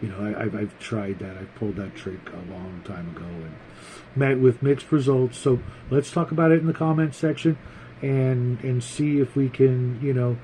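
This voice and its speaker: A man hosting a casual, unscripted vlog about tabletop gaming, talking to viewers in a rambling, halting, conversational way. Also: mid-range voice, mellow, a little hiss or hum, rough recording. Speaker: host of a tabletop gaming vlog, game master.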